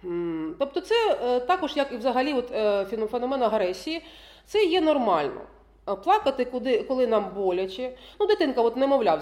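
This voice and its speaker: A woman's voice: a little high, a little mellow. A woman giving a lecture to parents, often laughing and checking that listeners follow along. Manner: keeps checking in with the audience; laughs often while talking.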